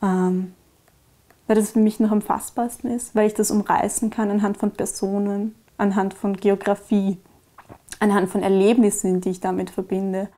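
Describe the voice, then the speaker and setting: A woman's voice: medium pitch, flat delivery, normal speed, dark tone. A young woman, answering questions in casual interview talk. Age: young adult. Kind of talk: casual chat.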